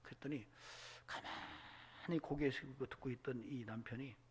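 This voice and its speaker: A man preaching a sermon as a pastor, telling a story in hushed whispers and building to impassioned, shouted exhortation. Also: mid-range voice, steady tone, normal speed, slight background noise. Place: church sanctuary.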